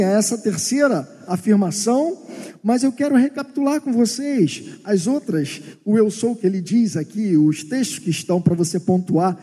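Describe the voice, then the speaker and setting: High-voiced preacher in a reverberant hall. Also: male voice, warm tone, breathy edge. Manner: explanatory, repeats key phrases, rhetorical questions. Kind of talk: bible teaching sermon.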